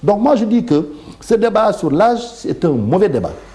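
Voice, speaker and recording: A man speaks at a moderate pace in a high voice, his pitch swinging very widely. Noticeable background noise runs under the recording. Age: 60s. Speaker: politician. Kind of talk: TV interview. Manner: animated.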